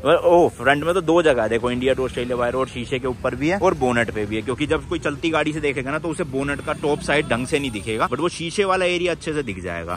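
A young man from India vlogging casually to a handheld camera, chatty and upbeat, talking to viewers outdoors on a city street and from his car. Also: medium pitch. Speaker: travel vlogger. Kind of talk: casual vlog chat to camera. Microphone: handheld camera at arm's length.

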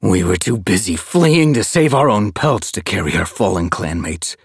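A man's voice: sits low, animated, normal speed, slightly rough, dry recording, studio quality, full character voice. A man doing a contemptuous black tomcat warrior. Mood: bitter. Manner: contemptuous, spitting. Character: bitter long-legged black tomcat warrior.

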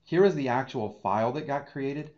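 A man in his thirties teaching a screen-share software tutorial, walking through each click as he goes. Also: mid-range voice, normal speed, lo-fi sound. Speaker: data engineering instructor.

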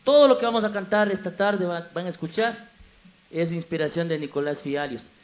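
A man's voice: high-pitched, a little fast. Man announcing from stage, rousing. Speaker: singer announcing the next song. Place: concert stage. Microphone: stand microphone.

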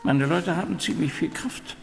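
An actor playing a polite, coolly menacing gang boss in a radio drama, courteous and sardonic. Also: male voice, fairly high pitch, moderate pace, vocal fry. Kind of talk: horror audio drama acting. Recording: long reverb, loud noise.

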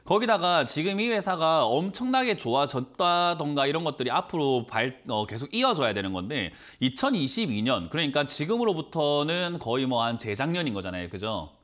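A man in his thirties with a cold, a stock market mentor on a studio call-in show, talking quickly and asking many rhetorical questions. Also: a little high, very animated, fairly bright tone. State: has a cold. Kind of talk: financial advice call-in show.

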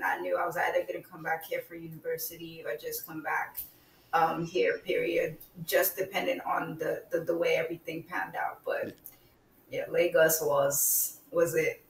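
Woman in her twenties, guest, relaxed and reflective, distant mic with faint hiss. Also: deep voice, reverberant. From Nigeria. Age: 20s. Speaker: guest, digital designer. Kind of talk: interview conversation. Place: room at home.

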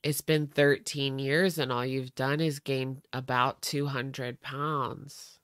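A woman's voice: extremely low pitch, flat delivery, takes it slowly, fairly bright tone, a little hiss or hum. A young woman hosting a reaction video with casual, sarcastic commentary, a little stuffy-nosed. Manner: sarcastic, chatty. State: stuffy nose.

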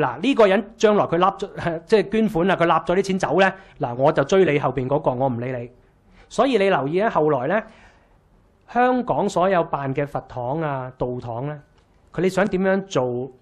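A man in his thirties with a Hong Kong Cantonese accent gives a casual, wry lecture in a small room, full of rhetorical questions. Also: fairly high pitch.

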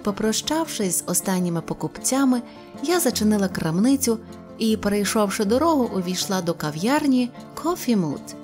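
A woman narrating a scripted fairy tale in a soft, measured storytelling voice. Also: mid-range voice, sing-song, faint music behind.

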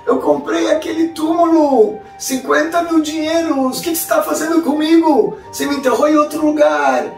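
Man voicing a shrill, furious young ghost, shouting accusations, roomy echo, distant mic. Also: fairly even intonation, normal speed, gravelly, soft background music. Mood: furious, accusing. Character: dead young man's ghost, demanding, furious.

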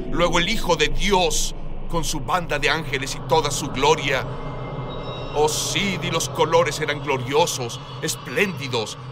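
A man giving an earnest, emphatic testimony as a guest in a dubbed interview, recorded as a studio voice-over with music underneath. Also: on the high side. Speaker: guest telling of a vision.

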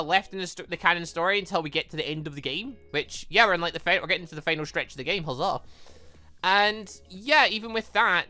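A man's voice: high voice, sharp tone, no room sound. A man hosting a video game playthrough in a casual, rambling way, chatting about his plans and reading game text aloud. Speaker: let's-play host. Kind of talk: casual gameplay commentary.

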